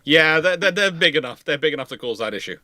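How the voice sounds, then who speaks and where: A man hosting a casual panel discussion, explaining and speculating in a measured way. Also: a little high, expressive, pushed and bright, dry recording, clean studio sound. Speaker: panel host answering viewer questions.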